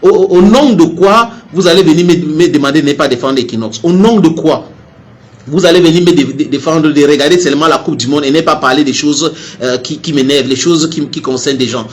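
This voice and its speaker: A man's voice: fairly high pitch, fairly quick. Heated, stammering Cameroonian man ranting. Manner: heated, repeats himself, stammers on restarts. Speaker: online commentator. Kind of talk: impassioned direct-to-camera rant.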